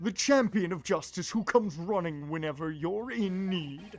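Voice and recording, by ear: The speaker uses a put-on character voice that sounds strained. The intonation is lively and the pace moderate. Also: man, high pitch for a man.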